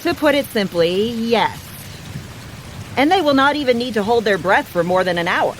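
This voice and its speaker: An actress playing a world-weary, evasive underworld dweller in an audio drama, with a dry, sardonic and understated manner. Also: female voice, a little high, lively intonation, moderate pace, a little hiss or hum, lightly acted. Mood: wry explaining. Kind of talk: scripted audio drama acting.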